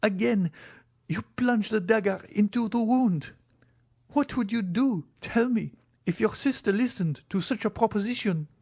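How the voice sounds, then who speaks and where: A man's voice: high voice, a little slow, creaky, darkish tone, slightly rough, exaggerated voice. A man reading a novel aloud, voicing a desperate young woman who pleads and cries out. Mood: pleading.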